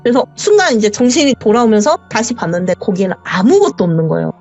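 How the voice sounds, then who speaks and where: A woman's voice: fairly high pitch, big pitch swings, fast, a little mellow. A woman telling her own ghost story in an interview, vividly acting out the voices of the people in it. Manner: vivid, acts out the dialogue. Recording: dull audio, faint music behind.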